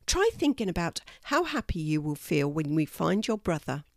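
A woman voicing a kind, calm male animal who gently reassures his friends in a children's story. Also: medium pitch, moderate pace, dry recording, clean studio sound. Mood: reassuring. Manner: gentle, encouraging.

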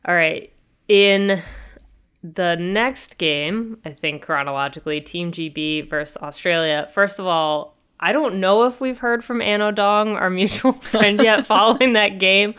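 A woman's voice: medium pitch, measured pace, a bit bright, clear, resonant tone. A woman hosting a casual sports podcast, chatty and thinking aloud with fillers as she recaps matches. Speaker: soccer podcast host.

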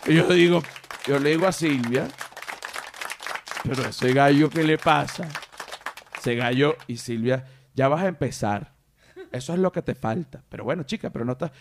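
A man hosting a podcast, telling anecdotes in a casual, animated way. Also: medium pitch, moderate pace, vocal fry, long pauses, some chatter behind. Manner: animated storyteller, mimics animal cries. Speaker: podcast host.

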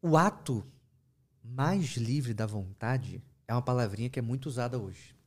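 Male therapist, storytelling talk, animated pitch jumps, casual asides, mid-pitched voice. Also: normal speed. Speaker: therapist speaking about his practice. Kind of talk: conversational teaching talk.

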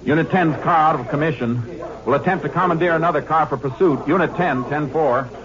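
A man's voice: fairly high pitch, fairly quick, background noise, natural voice. An actor playing a steely, commanding Texas Ranger lawman in a 1950s radio western drama. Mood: urgent, clipped. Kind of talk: 1950s radio drama acting and first-person narration. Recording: dull vintage 1950 radio recording, music.

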